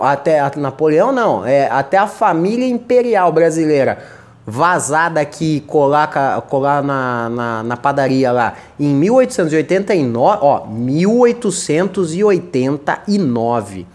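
A man's voice: on the high side, lively intonation, normal speed. A Brazilian man hosts a loose, comedic podcast monologue, wandering from point to point. He trips over his words and repeats them as he goes, and keeps a joking tone throughout. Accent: Brazilian Portuguese. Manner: rambling, stumbles and repeats words, jokey. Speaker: podcast host.

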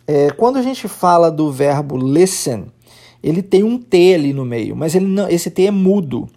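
A man's voice: fairly high pitch, lively intonation, moderate pace, warm tone. A man with a Brazilian Portuguese accent, teaching English on a lesson podcast, explaining patiently and drilling phrases aloud.

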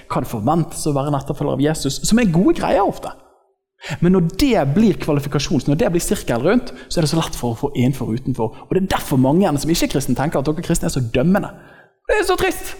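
A male preacher with a fairly high voice that swings widely in pitch, delivering a casual, humorous sermon full of slang. His voice carries a long hall reverb, as from a church hall. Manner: lively, joking, acts out quotes in slangy speech. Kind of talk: informal sermon.

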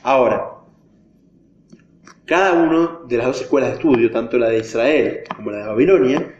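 A religion teacher leads a classroom lesson, walking through the material step by step and quizzing his students. His medium-pitched voice is a little mellow and moderately paced. The recording is echoey, dull, and lo-fi, with slight background noise.

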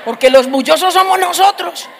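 A middle-aged woman preaches a humorous testimony in a high voice. She tells her story with lively energy and acts out the voices of the people in it. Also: moderate pace, creaky, crowd noise, noisy background.

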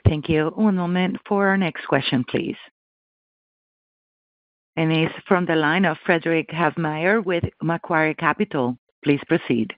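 Male conference operator, lightly high pitch, routine scripted announcements, narrow telephone band. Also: a little slow, no room sound. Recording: dry, tinny phone line.

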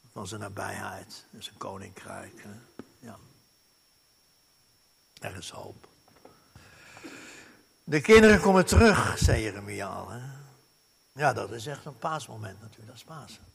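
A male pastor preaching a sermon, earnest, with wide swings from loud to hushed and frequent tag questions. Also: mid-range voice, vocal fry, slightly rough.

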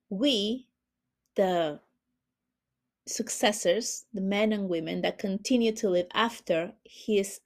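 A woman from Chile hosting a spiritual podcast, talking in a soft, reverent way and drawing out her words. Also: medium pitch. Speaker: podcast host, spiritual healer.

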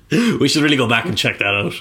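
Sports podcast cohost guy, teasing and analytical, bright voice. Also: mid-range voice, sing-song, brisk. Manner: teasing, laughing along, analytical. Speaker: podcast co-host. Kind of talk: casual sports chat.

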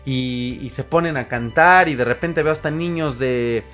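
A man with a Mexican accent, a podcast host and singer, telling stories in a casual, animated monologue full of fillers and restarts. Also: medium pitch, moderate pace, faint music behind. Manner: animated storyteller, acts out quoted voices, frequent fillers and restarts.

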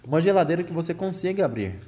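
A man voicing a calm clever boy-mouse. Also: fairly high pitch, fast talker, pitched above the performer's own voice. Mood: urging.

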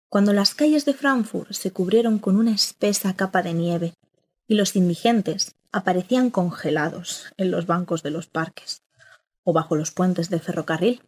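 A woman narrating an audio drama in the first person, reflective and measured. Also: fairly low pitch, darkish tone, slightly rough.

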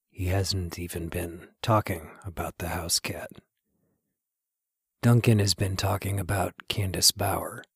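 A quiet male archivist narrating an audio drama. His voice is deep and breathy to an extreme, with a measured, confiding delivery and a very dry, close sound. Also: dry recording, full character voice. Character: quiet, brooding male archivist narrator of small-town recordings. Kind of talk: scripted narration.

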